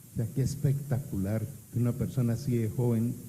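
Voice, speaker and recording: A man speaks at a moderate pace in a medium pitch, dark and mellow in tone and somewhat breathy. His pitch varies in an ordinary way, and audible room echo surrounds him. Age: 70s. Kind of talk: sermon.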